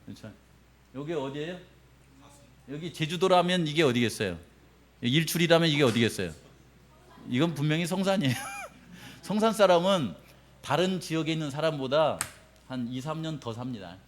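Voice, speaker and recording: A middle-aged man preaching a sermon as pastor, animated, acting out quoted reactions and laughing often. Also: fairly high pitch, normal speed, pauses often, a little hiss or hum.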